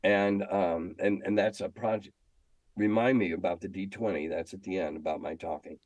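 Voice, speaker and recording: An older American man with a fairly low voice talks as an interview guest. He is opinionated and emphatic, repeating phrases for stress as he tells stories. The sound is dry, without room echo. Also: steady tone, normal speed, darkish tone. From United States. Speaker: interview guest, veteran game designer and editor. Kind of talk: conversational interview answers with storytelling.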